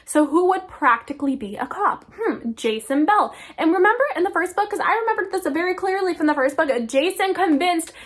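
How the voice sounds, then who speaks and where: A woman's voice: very high-pitched, expressive, a little fast, few pauses. A young woman giving a casual, spoiler-filled plot summary of a novel, chatty, with exasperated asides. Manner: chatty, exasperated asides, acts out characters' quotes. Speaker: book reviewer.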